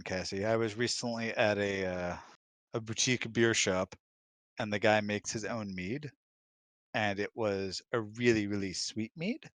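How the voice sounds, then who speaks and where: A man's voice: lowish voice, fairly bright tone, no echo. A man chatting casually as a co-host, with dry, mock-serious humor. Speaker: co-host, guest husband. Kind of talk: casual chat.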